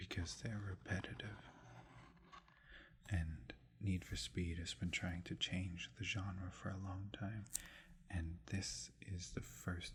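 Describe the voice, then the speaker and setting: A soft-spoken man whispers with vocal fry. His pace is very slow. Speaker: ASMR content creator. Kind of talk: ASMR show and tell. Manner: soft-spoken, whispered.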